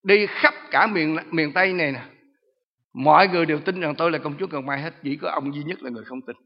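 A man voicing a boastful, taunting demon that possesses a young woman, speaking in a shrill, mocking, threatening way. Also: fast, long reverb tail, lo-fi sound.

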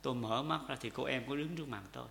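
A man preaching a sermon to his congregation. He repeats phrases and asks them questions, and swings between loud impassioned calls and quiet intimate asides. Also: medium pitch, fast, gravelly, slight background noise. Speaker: pastor. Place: church sanctuary. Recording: echoey hall with long reverb.

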